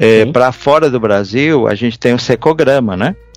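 Music plays in the background as a man talks at a medium pitch with ordinary pitch variation. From Minas Gerais, Brazil (Belo Horizonte). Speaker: blind musician and computer course creator. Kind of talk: interview.

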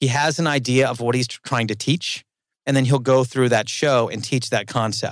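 With an American accent, a man speaks at a medium pitch. His pace is moderate. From Ohio, US Midwest. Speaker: podcast host. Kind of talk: casual chat. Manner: animated.

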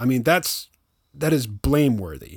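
With an unremarkable speaking voice, a man talks at a moderate pace and medium pitch with ordinary pitch variation, the sound dry and close with no echo, the recording very clean over a silent background. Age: 50s. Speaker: podcast host and cartoonist. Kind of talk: casual chat.

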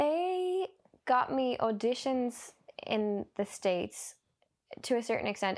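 This woman speaks in a Dublin accent at a fairly slow pace. The recording is very clean, with a silent background. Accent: Irish (Dublin). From Ireland, Dublin. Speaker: actress. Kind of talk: casual interview.

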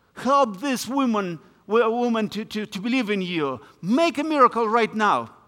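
A man with a Russian accent speaks at a moderate pace in a high pitch, his tone bright and sharp. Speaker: pastor and missionary. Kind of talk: sermon.

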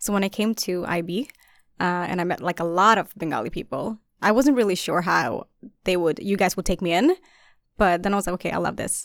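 A woman's medium-pitched voice, a normal speaking voice, at a fairly quick pace with ordinary pitch variation on a very clean recording with a silent background. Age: 20s. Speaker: makeup artist and dancer. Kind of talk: casual chat. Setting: studio.

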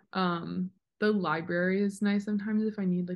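At a moderate pace and medium pitch, a woman talks with fairly even intonation in an ordinary speaking voice. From Georgia, US. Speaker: actress. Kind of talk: interview. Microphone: glitchy connection.

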